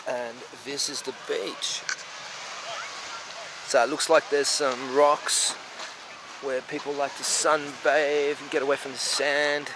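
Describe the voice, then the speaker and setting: A man's voice: medium pitch, slow, pauses often. A man in his thirties chatting casually as he films a walking tour on a coastal path and beach, holding the camera at arm's length. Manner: relaxed, chatty, candid. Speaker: travel vlogger. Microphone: camera held at arm's length. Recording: outdoor noise behind voice.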